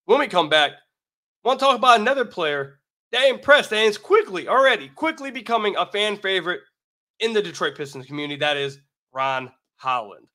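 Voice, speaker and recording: A man's voice: sits high, animated, brisk, pushed and bright. An American man hosting a sports podcast, talking emphatically with repeated phrases, his voice slightly raggedy from being sick. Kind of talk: solo basketball commentary with sponsor read.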